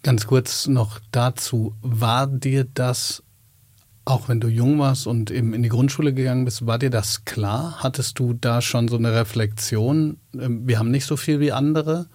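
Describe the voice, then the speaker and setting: A man's voice: mid-range voice, fairly even intonation, unhurried, a little mellow, dry recording. A man as host of an interview talk, with an ordinary mid-range voice and a dry recording. He asks long, winding questions and engages closely with his guest.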